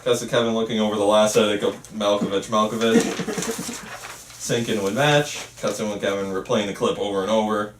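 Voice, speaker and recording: A man with a lowish voice reads out stage directions at an amateur table read. He is a little far from the mic in an echoey room. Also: fairly even intonation, moderate pace. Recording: echoey room, distant mic, faint noise.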